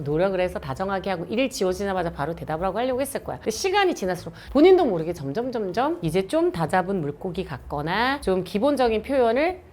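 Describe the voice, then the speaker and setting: Gyeongsang-accented woman host, lively pitch, casual advice talk, acts out dialogue. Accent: Gyeongsang Korean. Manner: animated, acts out quoted dialogue. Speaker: host giving dating advice.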